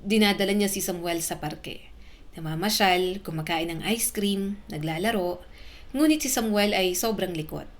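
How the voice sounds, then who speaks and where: Brief: female narrator for a heartfelt drama, slow and emotional. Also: mid-range voice. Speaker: storyteller.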